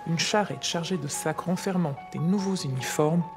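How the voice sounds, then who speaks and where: Here the grandmother's voice sits low and moves at a moderate pace. The woman patiently explains history to a child in storytelling fashion, sounding explanatory, with music running beneath.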